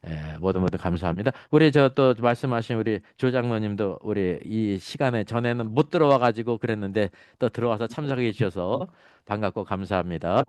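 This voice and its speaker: A man's voice: on the low side, animated, brisk, smooth, no echo. A man teaching a Bible study as pastor, asking his listeners questions and answering them himself. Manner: drops to a soft, quiet tone when greeting members. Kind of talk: Bible lecture to a congregation.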